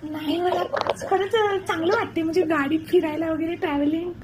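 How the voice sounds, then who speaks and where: A woman's voice: extremely high pitch, fairly even intonation, fairly quick. A young woman chatting casually and teasingly on a phone call, often asking questions. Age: young adult. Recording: noisy recorded phone call.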